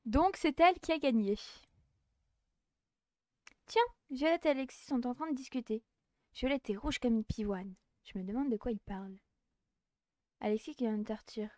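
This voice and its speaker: Chatty woman playing a game, slightly high voice. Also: moderate pace, pauses often, a little mellow, no room sound, studio quality. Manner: chatty, self-mocking, talks to viewers. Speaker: let's play host. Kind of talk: casual game commentary.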